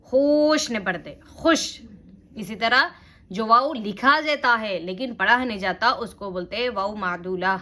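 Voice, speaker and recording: A woman with a South Asian Urdu accent teaching a reading lesson, spelling words out slowly letter by letter and explaining patiently. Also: medium pitch, a bit bright.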